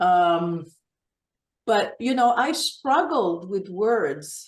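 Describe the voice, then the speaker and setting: A woman with an Israeli accent talks at a very slow pace with very wide pitch swings over a quiet background. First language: Hebrew. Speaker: workshop participant. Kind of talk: group discussion. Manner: halting.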